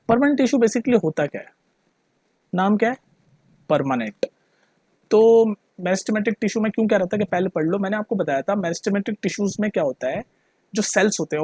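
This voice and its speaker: A man's voice: high-pitched, darkish tone, no room sound. A male teacher explaining a lesson casually, mixing in English terms, repeating words for emphasis and often checking that the listener follows. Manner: chatty, keeps checking the listener understands; mixes Hindi with English terms.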